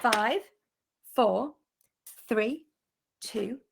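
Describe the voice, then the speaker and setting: A British woman teaching an online phonics class to young children, sounding out letters clearly and praising often. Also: a little high, very slow, a bit bright. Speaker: primary school teacher. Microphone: video call.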